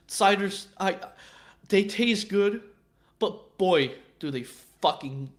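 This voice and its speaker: Rambling, cursing young man on a live stream. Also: fairly high pitch. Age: 20s. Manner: rambling and profane, with frequent stammered restarts. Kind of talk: casual live-stream chat.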